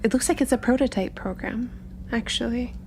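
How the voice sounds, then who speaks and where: A woman playing a curious, confident young tinkerer in a tabletop game, chatting breezily in halting improvised phrases. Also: fairly high pitch, a little mellow, a little hiss or hum, lightly acted. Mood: curious, absorbed. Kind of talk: improvised tabletop roleplay, casual.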